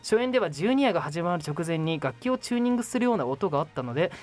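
A man's voice: a little high, expressive, very fast. A man hosting a radio show in a studio, chatting casually and reading listener mail in an upbeat, agreeable way. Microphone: studio microphone on boom arm.

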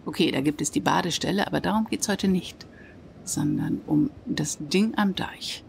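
A woman podcast host. Her voice sits low and carries a gravelly fry, with a faint hiss underneath. She chats along, nudging her guest with quick tag questions. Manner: chatty, prompting with tag questions. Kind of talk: casual interview.

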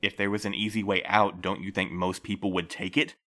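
A man playing a calm, patient middle-aged postmaster who interviews new couriers, speaking gently and in a measured way. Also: deep voice. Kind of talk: audio drama acting.

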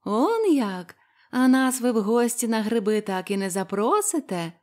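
Storybook figure: a group of merry young forest nymph girls, voiced by a woman, pitched up. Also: big pitch swings, unhurried, darkish tone. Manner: merry, calling out together.

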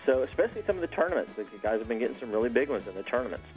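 Easygoing fishing captain giving a report. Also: male voice, medium pitch, rapid-fire, dull audio, soft background music. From Florida. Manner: relaxed, explanatory, with fillers.

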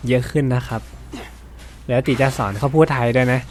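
A man's voice: mid-range voice, steady tone, brisk, a crowd in the background. A young man chatting casually and teasingly while commenting on his mobile game. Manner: chatty, teasing, laughs often. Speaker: gaming streamer. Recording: music playing behind.

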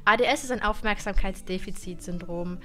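A woman in her twenties streaming from her gaming room into a boom-arm studio mic, chatting casually and animatedly with viewers, often stumbling and repeating words. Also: fairly quick, a bit bright, faint music behind. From Germany. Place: gaming room with colored wall lights.

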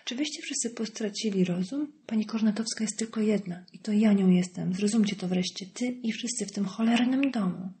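Icy scornful wife in an audiobook, woman reading, cutting and sarcastic, warm dark tone. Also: medium pitch, fairly quick, few pauses, lightly acted. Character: cold, scornful wealthy middle-aged wife.

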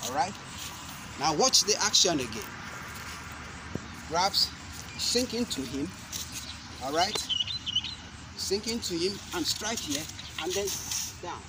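A young man demonstrating self-defense moves, explaining each step slowly and deliberately, with sharp shouted cries on the strikes. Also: high voice, lively intonation. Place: outdoor concrete court. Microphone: camera mic at a distance. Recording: outdoor noise from a camera mic.

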